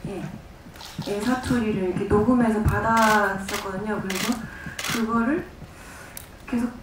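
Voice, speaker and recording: A woman's voice: medium pitch, fairly even intonation, unhurried, noisy background. A woman actress with a Gwangju accent answering questions hesitantly at a press conference. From Gwangju, South Korea. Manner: hesitant, with fillers. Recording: echoey hall from far off.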